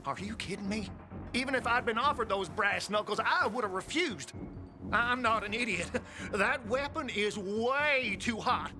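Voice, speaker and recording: An actor playing a nervous, evasive black-market reseller in a video game, quick to deny everything. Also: male voice, sits high, expressive. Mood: defensive bluster. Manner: nervous, defensive, fast-denying. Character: jittery, evasive male black-market reseller, easily scared. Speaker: fence. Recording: music behind the voice.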